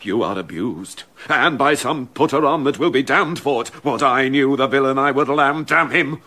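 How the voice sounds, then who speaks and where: An actor playing a loyal, outspoken courtier in a classic verse radio play, urgent and pleading. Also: male voice, normal speed. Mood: defiant. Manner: urgent, pleading, lively pitch.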